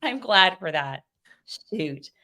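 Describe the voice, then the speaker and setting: A woman's voice: on the low side, big pitch swings, slow, pushed and bright. Earnest woman podcast co-host. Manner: earnest, rambling with restarts. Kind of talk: casual chat.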